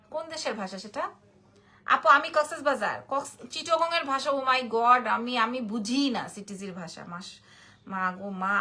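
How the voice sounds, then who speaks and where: Running a live-stream jewelry sale, a sleepy-sounding woman with a Bangladeshi Bengali accent chats through her sales pitch, repeating prices and reading viewer comments aloud. Her voice is high, pushed, and bright; she sells jewelry online.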